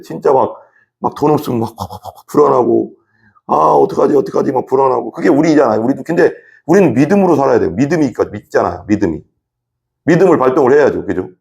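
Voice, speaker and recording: A man's voice: medium pitch, creaky, darkish tone. A man preaching a sermon as pastor. He repeats words for emphasis, acts out little scenes, and keeps asking his listeners questions. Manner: emphatic, repetitive, acts out examples and asks the congregation questions.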